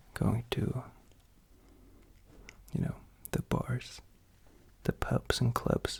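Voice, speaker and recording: A man whispering at a very slow pace, with long, frequent pauses and noticeable background noise. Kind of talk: ASMR close-mic talking. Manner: soft-spoken, close-mic whisper.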